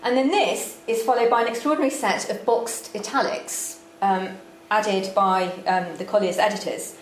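Female lecturer, measured delivery with a dry wit and plenty of ums; roomy hall sound with a faint hiss under it. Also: mid-range voice, fairly even intonation. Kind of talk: academic lecture with slides. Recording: echoey room with faint background noise.

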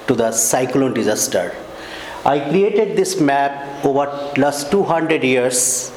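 A man from Bangladesh, a native Bangla speaker, gives an academic talk in English with a Bangladeshi accent, formal and halting with pauses and self-corrections. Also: medium pitch, reverberant, slight background noise, poor audio. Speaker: visiting researcher giving a lecture. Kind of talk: academic presentation. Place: lecture hall.

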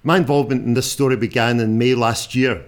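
A man in his sixties speaks with a broad, strong Scottish accent at a middling pitch. He is a journalist giving an unscripted public talk, and his delivery is informal, plain-spoken and somewhat halting. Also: fairly even intonation. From Scotland. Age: 60s.

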